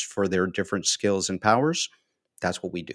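In a fairly low pitch, a man with a Puerto Rican accent is heard on a very clean recording with a silent background. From Puerto Rico. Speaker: cybersecurity veteran. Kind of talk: interview.

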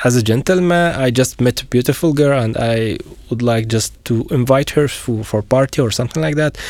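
A man with an Arabic accent speaks at a medium pitch with ordinary pitch variation. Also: fairly quick pace. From Syria. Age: 40s. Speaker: vascular surgeon. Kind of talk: interview. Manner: halting.

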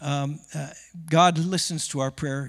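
Speaking slowly-ish with an American accent, a man uses a fairly high pitch and fairly even intonation in an unremarkable speaking voice. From US Midwest, central Minnesota. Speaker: missionary. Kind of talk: sermon. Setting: church.

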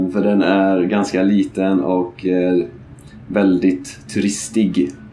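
A man's very deep, low, dark and mellow voice at a very slow pace, with audible room echo. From western Sweden, Alingsås near Gothenburg. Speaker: Swedish language teacher podcaster. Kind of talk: language-learner podcast monologue. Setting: café restroom. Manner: slow and clear.

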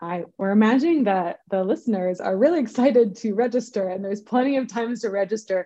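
Speaking very fast with hardly any pauses, a woman with an American accent uses a fairly high, dark and mellow voice with ordinary pitch variation. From United States. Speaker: program manager at a tech nonprofit.

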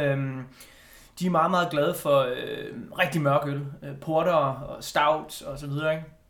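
The speaker moves at a fairly slow pace. Long pauses come often. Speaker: radio host. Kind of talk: casual chat. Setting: home kitchen.

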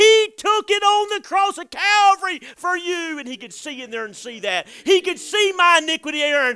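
A raised, projected voice with a bright, sharp tone and lively intonation moves at a moderate pace with hardly any pauses, in a dry, close sound with no echo. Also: man, very clean recording, silent background. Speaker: pastor. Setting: church with congregation. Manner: halting, with frequent "uh" fillers and restarts.

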